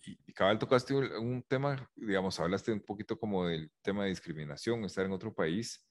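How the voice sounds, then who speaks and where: A man's voice: lowish voice, fairly quick. A man interviewing a footballer, asking long, rambling questions full of fillers. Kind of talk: conversational interview.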